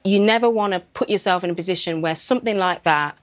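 A woman's voice: lowish voice, fast talker. A woman in her thirties making firm, direct points as a football pundit in a TV studio on a lapel mic. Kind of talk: post-match studio analysis. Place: TV studio above a stadium.

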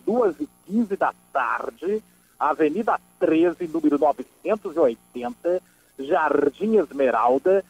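A man's voice: a little high, slightly rough, no echo, low-quality recording. A man from inland São delivers a police news bulletin as a reporter, emphatically, repeating phrases for stress and adding conversational asides. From Brazil. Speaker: police-beat radio reporter. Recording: dry voice over background music. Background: background music.

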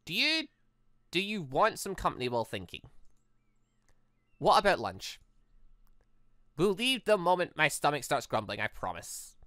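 A caring schoolgirl from a visual novel, emphatic and direct with her friend, as a gamer reads her. Her delivery is animated and bright, recorded dry. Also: mid-range voice, unhurried, long pauses, no room sound. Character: caring, insistent rabbit-eared schoolgirl friend. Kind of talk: visual novel dialogue read aloud.

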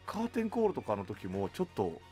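A man hosting a casual studio radio chat, eager and effusive, quick to interject. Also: fairly low pitch, wildly swooping pitch, dark tone, soft background music. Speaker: radio show host. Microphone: studio boom microphones, masked speakers.

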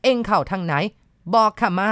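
A woman's voice: mid-range voice, brisk, a bit bright, no room sound, close to an everyday voice. A woman voicing a stern old woman exorcist who gives harsh, commanding orders. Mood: fierce. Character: stern old female village exorcist, forceful.

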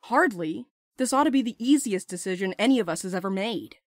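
A woman's voice: medium pitch, lively intonation, fairly quick, no room sound, studio quality, close to an everyday voice. A woman playing a restless, blunt courier in an audio drama, urgent and sardonic, eager to escape. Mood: eager, insistent.

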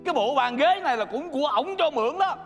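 A man's voice: very high-pitched, lively intonation, fast, faint music behind. A man playing a blunt, teasing male neighbor in a stage comedy sketch.

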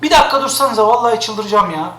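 A man's voice: high-pitched, expressive, quick pace, pushed and bright, echoey room. A man streaming live, complaining in an exasperated way and repeating himself.

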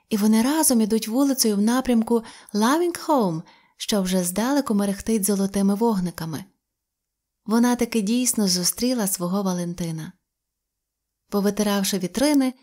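A woman narrating a scripted fairy tale in a soft, measured storytelling voice. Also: medium pitch.

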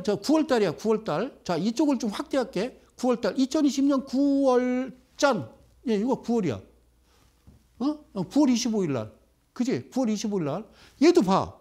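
A man's voice: high-pitched, darkish tone. A middle-aged man giving a live broadcast lecture on stock trading, bantering with viewers and firing off rhetorical questions.

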